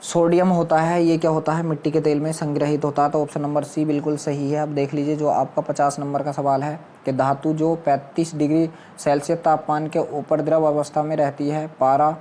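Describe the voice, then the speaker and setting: A man's voice: fairly high pitch, little pitch movement, a little fast, few pauses, warm tone, slight background noise. A man teaching as an exam coach, going through practice questions and answers in a repetitive, instructional way. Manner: instructional, repeats questions and answers with habitual filler phrases.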